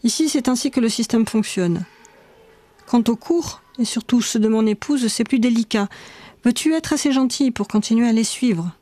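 A man's voice: very high-pitched, normal speed, warm tone. A woman voicing a weary male school director who lectures and reasons patiently in a read-aloud memoir. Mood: conceding.

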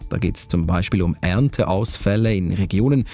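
A man's voice: deep voice, normal speed, creaky, mellow, soft background music. A man narrating a news podcast from a conversational script.

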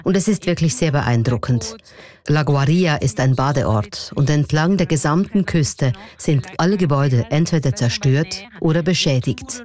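A woman's voice: low voice, normal speed, darkish tone. A woman reading a translated voice-over for radio news.

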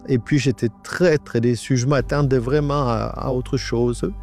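A man in his nineties gives a halting personal testimony in a radio interview. His voice is disguised by an AI voice changer. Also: medium pitch, fairly even intonation, a little mellow, faint music behind. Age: 90s. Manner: halting, with many restarts and repetitions. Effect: voice altered by an AI voice changer.

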